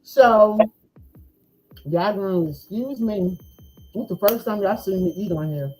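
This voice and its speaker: A woman hosting a podcast, chatting casually with a guest in Black speech, loud, laughing, animated banter. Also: medium pitch, unhurried, faint music behind, low-quality recording. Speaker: podcast host. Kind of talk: casual chat. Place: home, eating on a livestream.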